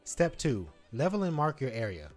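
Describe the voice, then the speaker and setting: A man's voice: medium pitch, very animated, normal speed, darkish tone, faint music behind. A man, co-host of a home-improvement channel, giving a scripted step-by-step voice-over on installing a shelf. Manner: instructive, step-by-step.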